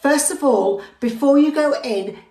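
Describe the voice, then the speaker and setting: Upbeat high-voiced British woman teaching live. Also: measured pace, gravelly, dark tone, reverberant, low-quality recording. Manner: upbeat, talks straight to viewers, reads out comments. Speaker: driving instructor and theory test teacher. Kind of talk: live-streamed lesson, chatty and encouraging.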